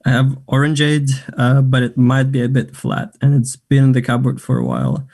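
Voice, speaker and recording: A man's voice: medium pitch, animated, normal speed, vocal fry, a little mellow. A man acting a flirtatious, self-assured gay man in a naturalistic table read of a play, chatty and teasing. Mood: friendly, chatty.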